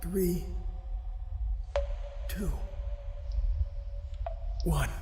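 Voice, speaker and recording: Terrified prisoner, horror audio drama, halting delivery, brooding, fragile nerves, music bed. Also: male voice, high voice. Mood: self-soothing panic. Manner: halting, brooding, breaking into panic. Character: terrified male prisoner recounting his solitary torment. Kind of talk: first-person horror audio drama narration.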